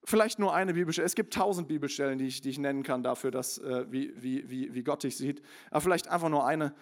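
A young man preaching a sermon, sliding from soft confiding asides into loud emphatic calls, with many fillers and restarts. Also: on the high side, fast. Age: young adult. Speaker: pastor.

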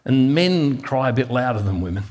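A man's voice: mid-range voice, expressive, moderate pace, darkish tone. A middle-aged man giving an earnest devotional sermon as a Catholic preacher. He tells a personal story and often repeats words as he builds a point.

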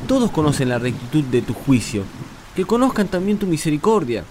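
An intense, emphatic debtor played by a man in a radio play. His voice sits rather high, and there is clear noise around it. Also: sing-song, brisk, a little mellow. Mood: desperate pleading. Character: desperate indebted subject, servile upward, harsh downward. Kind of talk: radio drama acting.

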